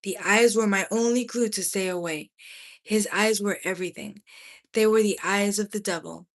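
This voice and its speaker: A woman reading a memoir aloud as expressive narration, in deliberate phrases with dramatic pauses. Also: mid-range voice. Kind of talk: expressive audiobook-style narration.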